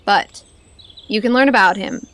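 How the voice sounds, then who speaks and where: A woman's voice: mid-range voice, moderate pace, fairly bright tone. A woman narrating as game master of a tabletop game, thinking aloud with frequent fillers.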